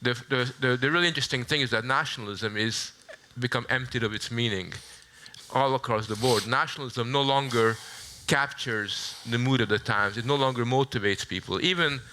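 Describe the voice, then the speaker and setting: Male panel speaker from Hungary, mid-pitched, bright and forceful, measured emphatic argument. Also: a little hiss or hum. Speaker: debate panelist. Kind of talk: public panel debate speech.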